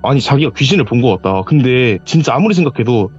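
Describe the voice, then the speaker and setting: A husky-voiced man calls in to tell his own ghost story, talking at a quick pace through a muffled voice call with faint music behind him. Lively and animated, he jumps his pitch sharply upward whenever he plays the part of someone speaking in this horror call-in story.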